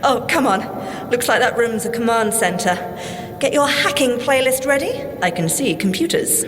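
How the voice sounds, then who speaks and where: An actress playing a wry, good-humoured young scientist and secret agent, chatting in an audio drama. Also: female voice, fairly high pitch, expressive, normal speed, in a large hall, slight background noise, close to an everyday voice. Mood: teasing. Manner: dry teasing, polite, chatty. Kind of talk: audio drama field banter.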